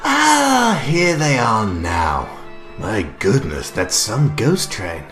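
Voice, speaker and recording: An actor playing a theatrical, deranged clown villain in a radio drama, gleeful, mock-genteel and taunting. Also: male voice, fairly low pitch, wildly swooping pitch, slow pace, music in the background, full character voice.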